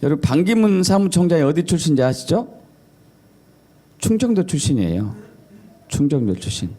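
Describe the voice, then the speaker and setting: A man's voice: on the high side, sing-song, fairly quick, dark tone. A male pastor giving a Sunday sermon in a jokey storytelling way, mimicking regional dialects. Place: church service.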